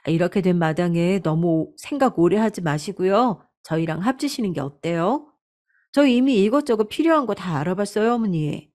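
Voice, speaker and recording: A woman's voice: mid-range voice, lively intonation, normal speed, darkish tone, close to an everyday voice. A woman voicing a scheming eldest daughter-in-law who talks sweetly but insistently, pressing her mother-in-law in a storybook drama. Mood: coaxing. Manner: persuasive, pushy, sweetly insistent.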